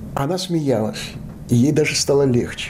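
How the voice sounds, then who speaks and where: Against noticeable background noise and audible room echo, the voice moves at a moderate pace with ordinary pitch variation. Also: man. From Soviet Union, born in Chernivtsi, Western Ukraine. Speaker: theatre director. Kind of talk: interview. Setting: his apartment, recorded on location.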